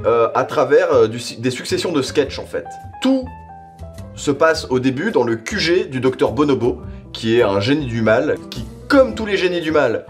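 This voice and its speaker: A man giving a slangy, casual spoken review, rambling conversationally and repeating himself for emphasis. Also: medium pitch. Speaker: reviewer presenting audio series.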